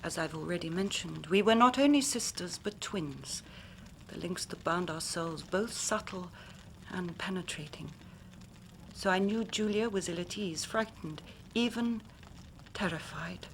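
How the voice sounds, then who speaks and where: A woman's voice: lowish voice, a little slow, a little hiss or hum, poor audio. A woman playing an earnest young woman telling a tale. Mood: grave. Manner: earnest, dramatic storytelling with hushed passages. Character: young woman recounting her sister's death. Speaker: client telling her story. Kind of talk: radio drama acting.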